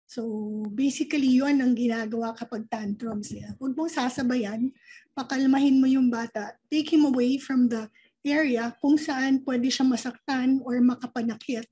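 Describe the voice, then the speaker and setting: A woman speaking as an early childhood education expert, calmly explaining with rhetorical questions and mixing Tagalog and English. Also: high voice, normal speed, husky, dull audio. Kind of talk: explanatory interview talk.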